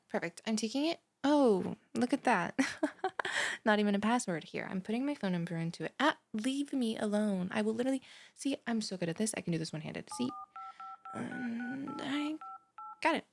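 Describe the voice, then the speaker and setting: A woman's voice: fairly high pitch, lively intonation, normal speed, creaky, darkish tone, no room sound. Woman acting a chatty bubbly ditzy student girl, close dry sound. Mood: perky, pushy. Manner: gushing, rambling, dramatic gasps and sighs. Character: chatty, bubbly, ditzy young female student, eager and easily offended. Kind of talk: one-sided audio roleplay acting.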